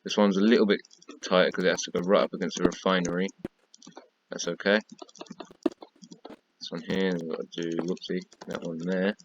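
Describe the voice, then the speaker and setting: Deep and level, a man speaks briskly with long pauses as he casually works through a block-building tutorial, counting and pointing things out repeatedly. He makes gaming tutorials and is tired and losing his voice; the lo-fi recording has a noisy background.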